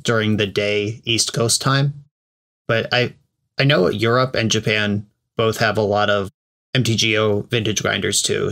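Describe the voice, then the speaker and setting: Lowish-voiced, chatty male podcast host. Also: a bit bright. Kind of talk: casual podcast chat.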